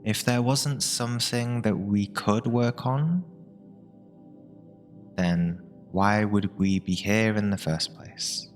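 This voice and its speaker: Slow, low-voiced man guiding meditation. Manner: soothing, measured, with long pauses between short phrases. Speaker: meditation guide. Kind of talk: guided meditation narration. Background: meditation music with binaural tones.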